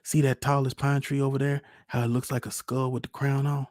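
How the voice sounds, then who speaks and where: A man's voice: medium pitch, level tone, fairly quick, darkish tone, no echo, clean studio sound, voice pushed up, lightly acted. A man voicing a small, dreamy, easily upset boy with a rural Southern accent in a storybook reading. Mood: wistful, eager. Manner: pleading, childlike dialect speech.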